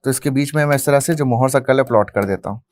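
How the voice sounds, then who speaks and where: Speaking quickly at a medium pitch over some background noise, this Indian-accented man lectures an engineering class from the whiteboard. Key phrases come back again and again, English technical vocabulary is mixed in, and he answers his own questions to the students.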